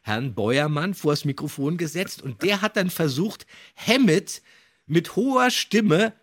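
A man co-hosting a podcast, telling a story in an animated way with dramatic emphasis and built-up suspense. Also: a little high, a little slow. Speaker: podcast co-host.

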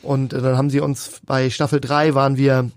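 Halting man co-founder, dry sound. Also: medium pitch, little pitch movement, no echo. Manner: halting, many restarts and fillers. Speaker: company co-founder, guest. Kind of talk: casual interview chat.

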